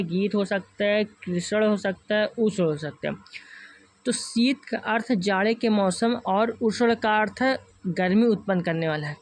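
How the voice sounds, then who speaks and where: The recording is dry, and the man's voice is high-pitched. In his online exam-prep class, delivered with a north Indian Hindi accent, he calls his audience friends and repeatedly and patiently walks through each option.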